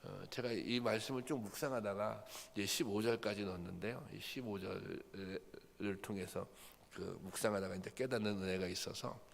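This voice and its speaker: A man's voice: fairly low pitch, normal speed, creaky, slight background noise. A man preaching a sermon at a dawn prayer service, earnest and repetitive, building to emphatic peaks. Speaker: pastor. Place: church sanctuary. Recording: long hall reverb.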